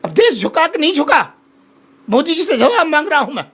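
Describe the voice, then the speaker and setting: A man's voice: very high-pitched, sing-song, fairly quick, a bit bright. A man, a Hindu holy man appearing as a guest in a heated television debate, who speaks in an impassioned, pleading way and keeps repeating himself.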